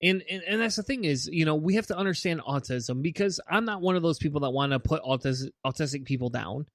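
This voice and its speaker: A man's voice: a little high, lively intonation, quick pace, no echo, clean studio sound. A man co-hosting a podcast in casual chat, earnest and often restarting his sentences with repeated words. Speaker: podcast co-host.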